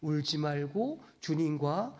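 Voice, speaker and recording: A tender Jesus speaks softly and consolingly, as a preacher puts him on. The voice stays gentle and lowered, still on the high side for a man. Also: lively intonation, takes it slowly.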